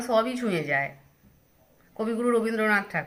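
A woman uses a normal speaking voice at a fairly high pitch. Her intonation is lively. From West Bengal, Hooghly district. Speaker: writer and schoolteacher. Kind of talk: interview.

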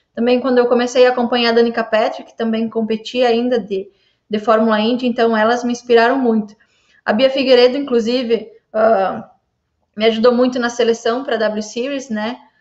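Monotone, flat intonation at a fairly quick pace against a quiet background. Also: woman, fairly high pitch for a woman. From southern Brazil, Santa Catarina. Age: 20s. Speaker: racing driver; guest. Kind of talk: interview. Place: home room. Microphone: earbuds.

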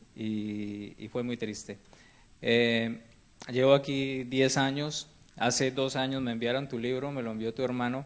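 Monotone, flat intonation from a man, at a fairly slow pace. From Colombia. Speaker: audience member. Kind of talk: audience question. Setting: auditorium with audience. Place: hall.

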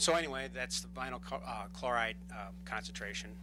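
A man at a moderate pace, with audible room echo. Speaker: environmental consultant. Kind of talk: technical presentation. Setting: city council meeting. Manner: halting; soft-spoken. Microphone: too quiet for TV audience.

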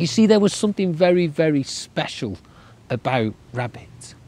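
Dry sound with no echo surrounds the speech of a man. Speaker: storyteller. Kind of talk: children's storytelling. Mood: warm, gentle. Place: forest. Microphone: phone near.

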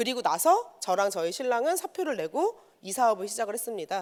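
A woman speaks at a moderate pace with a fairly high pitch and very wide pitch swings. The recording is very clean, with a silent background. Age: 30s. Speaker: network marketing leader. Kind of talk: motivational seminar talk. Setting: stage with audience.

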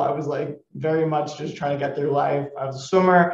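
With audible room echo, a man speaks in a fairly high pitch, somewhat breathy, his intonation flat and monotone. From Hawaii, Oahu (Mililani); Hawaii. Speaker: physician scientist. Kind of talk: lecture. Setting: video call from home office. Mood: casual, friendly, self-deprecating. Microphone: video call.

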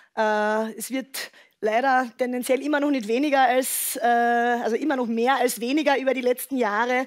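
A woman speaks with a Carinthian accent at a moderate pace, her pitch high and her intonation flat and monotone. The background is quiet. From Austria, Carinthia. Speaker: commune member, association founder; talk show guest. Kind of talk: talk show conversation. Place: studio.

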